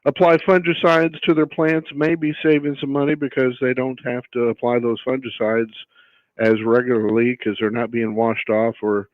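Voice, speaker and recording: A man of average pitch explains things as a radio guest educator. He talks haltingly, pausing mid-phrase. The sound is close, dry and slightly muffled. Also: flat delivery, no echo. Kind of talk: explanatory interview talk.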